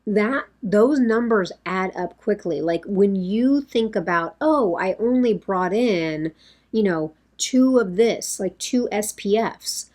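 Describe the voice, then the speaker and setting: A woman in her thirties, slightly hoarse, chatting casually to camera in a rambling way from her home makeup room. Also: mid-range voice, expressive, slow, darkish tone. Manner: rambling, talks with her hands. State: a bit hoarse, losing her voice. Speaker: beauty vlogger.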